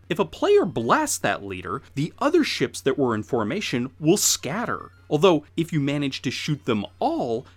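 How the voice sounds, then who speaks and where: A man giving scripted, informative narration as a retro game presenter, with emphatic, explanatory phrasing. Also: fairly high pitch.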